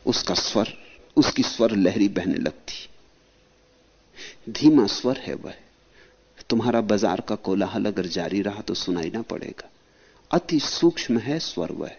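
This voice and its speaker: A man giving a devotional spiritual discourse, speaking slowly and lingering on his phrases, reciting verses at a slow pace, then rising suddenly into high, emphatic lines. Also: highs cut off.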